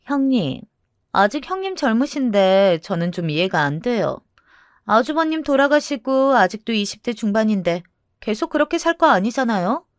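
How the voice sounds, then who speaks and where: A pushy young sister-in-law from a family drama story, put on by a woman. Her voice is lifted high as she nags and needles with false concern. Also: sing-song, normal speed, clear, resonant tone, dry recording, clean studio sound. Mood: needling. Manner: needling, nagging.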